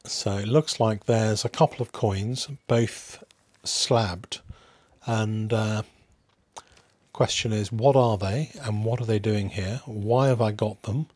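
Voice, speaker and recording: A man hosting a hobby video in a casual, unscripted way, musing aloud with hesitant pauses. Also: lowish voice, fairly even intonation, darkish tone, dry recording. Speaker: host of a coin collecting channel.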